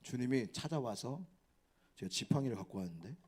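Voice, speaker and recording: A man preaching a revival sermon to a youth retreat, lively and questioning the audience, dropping at times into hushed whispers. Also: medium pitch, a little fast, husky. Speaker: pastor. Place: church hall.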